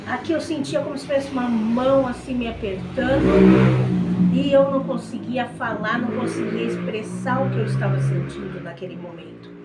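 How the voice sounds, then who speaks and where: Middle-aged woman with a Brazilian accent, raised pitch, emotional and repetitive testimony, roomy echo on the recording. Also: very animated, normal speed, heavy background noise. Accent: Brazilian Portuguese. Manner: emotional, repetitive, keeps turning to the listeners. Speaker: testimony speaker. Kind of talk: personal faith testimony.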